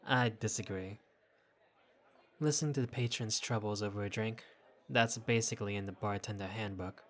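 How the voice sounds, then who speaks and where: Man playing a low-voiced, flirty bartender. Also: steady tone, normal speed, fairly bright tone, lightly acted. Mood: playful, exasperated. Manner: playful, teasing, casual. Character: flirty, easygoing, teasing male bartender chatting up a patron. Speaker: bartender character. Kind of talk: intimate audio roleplay, conversational acting.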